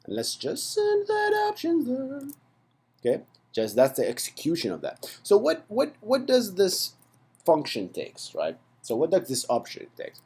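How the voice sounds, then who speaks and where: A man's voice: sits high, huge pitch swings, measured pace, a little mellow, breathy edge. A man teaching programming in a casual, chatty tutorial, often checking in with the listener with asides. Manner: chatty and playful, with frequent "right?" and "okay" asides. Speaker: programming instructor. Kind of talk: casual screen-recorded coding tutorial.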